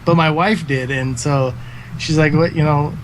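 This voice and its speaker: A man's voice: a little high, steady tone, moderate pace, background noise. A man in his thirties, a guest esports caster, talking earnestly in a casual podcast interview, with lots of fillers. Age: 30s. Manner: earnest, rambling with many fillers.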